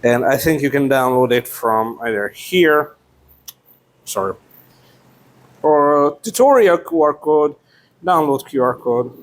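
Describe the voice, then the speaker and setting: A man's voice: medium pitch, animated, takes it slowly, pauses often. A man chatting casually and unscripted as he unboxes a product, with playful, sweary asides.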